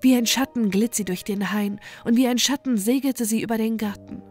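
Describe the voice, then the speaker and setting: A woman storyteller reads a bedtime fairy tale in a calm, hushed voice, often sinking to a near whisper. Soft music drifts faintly behind her. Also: on the high side, a little fast.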